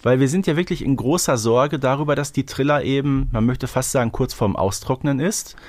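A man with a mid-pitched male voice speaks as co-host of a review podcast. His delivery is conversational, recorded dry with hardly any room echo. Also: a little fast, darkish tone. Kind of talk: conversational audio drama review.

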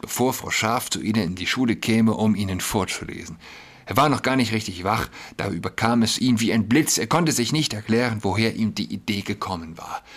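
Male storyteller reading a fable, husky, lively intonation. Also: lowish voice. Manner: expressive reading.

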